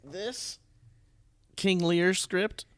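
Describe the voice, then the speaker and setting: A man's voice: high voice, fairly even intonation, very slow, a bit bright, no echo, clean studio sound. A man hosting a podcast in a casual, chatty style. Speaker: podcast host. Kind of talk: casual chat.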